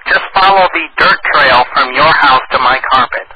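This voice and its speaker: Deadpan prank-calling radio host man. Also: mid-range voice, moderate pace. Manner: deadpan, teasing. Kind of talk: prank phone call. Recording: dull lo-fi radio recording, faint noise.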